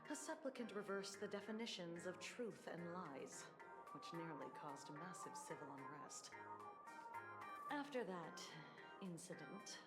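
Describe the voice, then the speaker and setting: Game role, female actor: tired official investigator, lowish woman's voice, formal and dryly sardonic, music behind. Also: reverberant, lightly acted. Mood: grave, explanatory. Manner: formal, matter-of-fact, dry, sighing. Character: weary, businesslike female defense department investigator, dryly sardonic. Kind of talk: video game voice acting.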